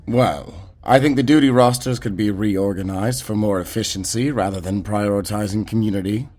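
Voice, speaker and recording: A man's voice: on the low side, moderate pace, darkish tone, close to an everyday voice. A man acting a proud, critical professor in a sci-fi audio drama, stiff and pompous, turning defensive. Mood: smugly critical. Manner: pompous, stiff, hesitant when challenged.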